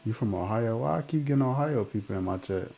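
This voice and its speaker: This Memphis native in his twenties sounds lowish, dark, and creaky, yet expressive and fast, as he chats on a live stream reading viewer comments. He keeps it laid-back and full of slang, often trailing off before finishing a sentence.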